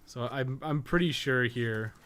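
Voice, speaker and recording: A man's voice: mid-range voice, measured pace, fairly bright tone. A man giving casual, candid live gameplay commentary in an informal, conversational way, as a streamer chatting with viewers. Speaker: game streamer and guide maker.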